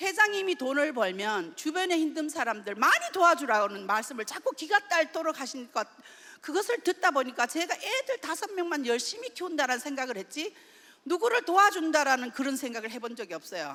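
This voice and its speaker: A woman speaks at a fairly quick pace in a high, raised and projected voice, her bright, sharp tone leaping through very wide pitch swings. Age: 60s. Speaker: network marketing leader. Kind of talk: motivational speech. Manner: animated.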